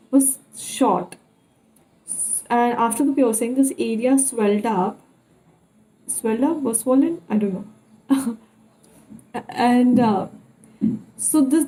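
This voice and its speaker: Slow, hesitant Indian-accented young woman. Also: fairly high pitch, warm tone, poor audio. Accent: Indian English. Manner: hesitant, pausing often to recall details. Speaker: vlogger. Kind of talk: casual personal vlog storytelling.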